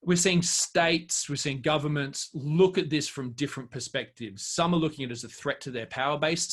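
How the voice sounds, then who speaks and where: A man's voice: mid-range voice, fairly bright tone. A man speaking as a guest expert in an interview, giving emphatic, argumentative commentary in an unscripted way.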